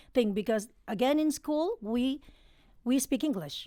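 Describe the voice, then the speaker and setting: With a Filipino accent, a woman speaks at a fairly slow pace in a dark, mellow tone with lively intonation, on a very clean recording with a silent background. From Philippines. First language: Tagalog. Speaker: singer. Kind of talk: casual interview.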